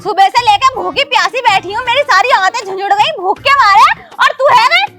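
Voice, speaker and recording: A woman's voice: very high-pitched, brisk. A woman playing a bossy, scolding old village mother-in-law, nagging and threatening in a rustic comedy skit. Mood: lecturing. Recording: loud background music.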